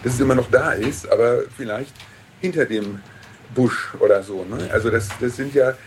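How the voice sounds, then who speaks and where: A man being interviewed as an expert on the radio, explaining in a calm, measured way. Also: mid-range voice, slight background noise.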